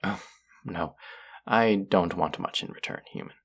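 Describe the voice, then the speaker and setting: A performer playing a cruel alien collector in an audio drama, condescending and cooing with false kindness, slowly savoring the words. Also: sits low, gravelly, slightly rough, exaggerated voice. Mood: menacing, rapturous. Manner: condescending, cooing, slow and savoring, often dropping to whispers. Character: cruel, covetous alien collector-artist feigning kindness to a captive. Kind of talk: dramatic second-person audio roleplay monologue.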